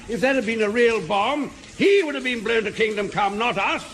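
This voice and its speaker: An actor playing a blustering, curt, easily exasperated English army captain in a radio sitcom. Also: male voice, very high voice, lively intonation, normal speed, a bit bright, heavily acted. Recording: noisy old radio comedy recording.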